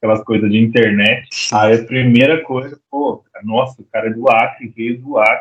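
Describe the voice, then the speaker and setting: A man speaks in a São Paulo accent at a medium pitch. His pace is moderate and his intonation fairly even. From São Paulo, Brazil (northwest outskirts). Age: 30s. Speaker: podcast guest, father of two. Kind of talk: casual chat.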